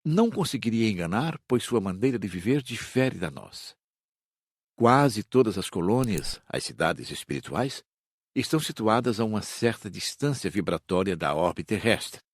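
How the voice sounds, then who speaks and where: Husky low-voiced man reading an audiobook. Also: expressive, normal speed, dry recording, clean studio sound. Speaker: audiobook narrator.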